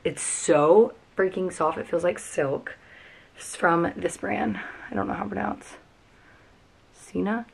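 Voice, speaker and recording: A woman's voice: fairly low pitch, measured pace, gravelly, long pauses, breathy edge. A young woman, chatting and gushing through a casual packing vlog in a cluttered bedroom, recorded by a camera a few feet away. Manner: chatty, gushing, lots of "like" and "freaking". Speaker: vlogger. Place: cluttered bedroom, sitting on the floor.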